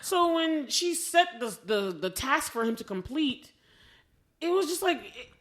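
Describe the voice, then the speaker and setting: A woman co-hosts a casual film review chat. Her voice sits a little high and swings widely in pitch. She tells stories with animated exclamations, in the loose manner of talk among friends. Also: measured pace. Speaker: podcast co-host.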